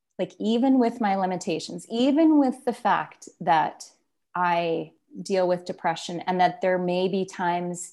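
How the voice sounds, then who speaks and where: A woman with a dark, mellow tone talks at a fairly slow pace on a very clean recording with a silent background. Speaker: lead pastor. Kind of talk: casual interview chat.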